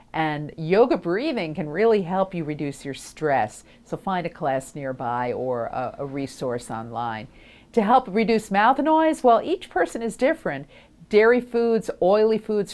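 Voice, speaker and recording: A woman hosting an instructional talk as a voice-over coach, speaking outdoors with clear, deliberate enunciation and emphatic phrasing. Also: deep voice, darkish tone. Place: outdoors on a windy day.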